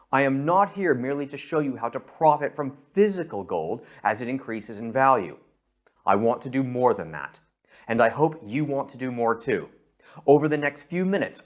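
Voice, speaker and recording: A middle-aged man from San Francisco with an American accent, presenting a scripted investment pitch and speaking directly to the listener. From San Francisco, USA. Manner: persuasive, addresses the listener directly.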